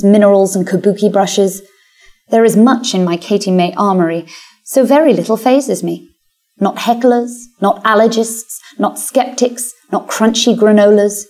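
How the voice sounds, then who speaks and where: A woman's voice: medium pitch, darkish tone. British woman narrating with wry confidence. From Britain. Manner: wry, confident, self-mocking. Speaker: audiobook narrator. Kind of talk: first-person story narration.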